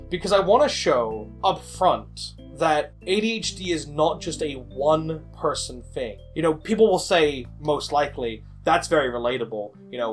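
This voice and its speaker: A man telling a personal story as a game developer in an informal, candid voice-over. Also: a little high. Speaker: indie game developer and video creator.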